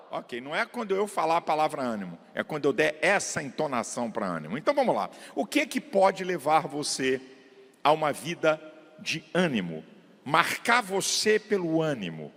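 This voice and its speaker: High, lively-voiced preaching man in a church. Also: normal speed. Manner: emphatic preaching, swings from shouts to low asides; draws out words for emphasis. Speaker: pastor. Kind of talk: fiery sermon. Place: large church. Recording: long hall reverb in a church.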